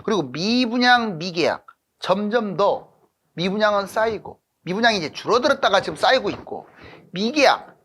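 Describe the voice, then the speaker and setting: A husky-voiced host delivers market commentary like a hard-sell pitch. The pitch swings widely from phrase to phrase. Statements come in short, emphatic bursts, broken up by rhetorical questions. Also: expressive, normal speed, fairly bright tone. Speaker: host of a real estate economics channel.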